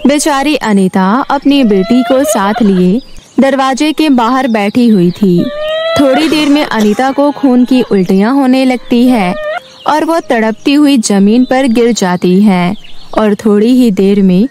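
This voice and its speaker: A woman narrating a scripted animated moral story as its storyteller. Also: a little high, unhurried.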